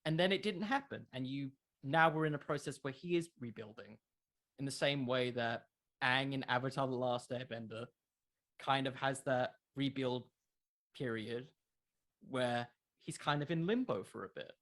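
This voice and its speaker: A man's voice: medium pitch, moderate pace, fairly bright tone. Earnest man explaining in casual interview chat. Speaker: podcast creator, interview guest.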